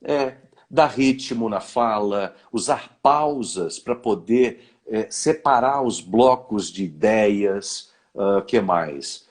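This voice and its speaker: Husky low-voiced man giving tips. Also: animated, slow, darkish tone. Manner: didactic, gives advice in short imperatives with many "né?" fillers. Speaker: guest speaker on public speaking. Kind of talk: live online conversation.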